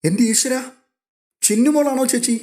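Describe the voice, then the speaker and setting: A man voicing an excitable young man on a phone call, full of eager, disbelieving exclamations. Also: sits high, brisk, voice pushed up, natural voice. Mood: excited, astonished.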